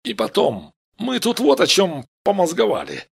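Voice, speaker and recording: A man voicing a loud gang of young male thugs who shout and swear. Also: sits high, huge pitch swings, normal speed, vocal fry, husky, pitched above the performer's own voice, full character voice. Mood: jeering.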